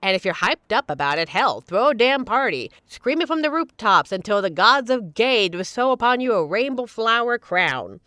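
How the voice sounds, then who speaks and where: A woman's voice: on the high side, big pitch swings, moderate pace, hardly any pauses, pushed and bright, dry recording. A woman playing a supportive, playful young queer friend in an audio roleplay, talking casually and earnestly to reassure the listener. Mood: upbeat, encouraging.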